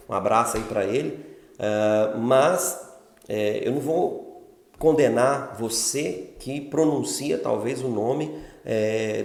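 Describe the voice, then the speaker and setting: A man's voice: mid-range voice, gravelly, a little mellow. A man giving an informal religious teaching talk, speaking conversationally and often checking in with the listener. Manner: conversational, frequent filler tags like "né" and "ok". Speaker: religious channel host. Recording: roomy echo.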